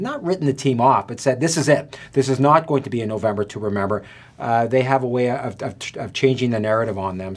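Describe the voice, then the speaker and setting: A man's voice: mid-range voice, darkish tone. A middle-aged male sports columnist giving analysis on a studio panel, thoughtful and hedging with fillers. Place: studio with panel seated on stools.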